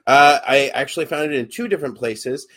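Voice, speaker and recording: A man's voice: a little high, lively intonation, brisk, bright, forceful tone. Hesitant young man, lots of ums. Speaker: podcast co-host and actor. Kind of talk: casual podcast chat.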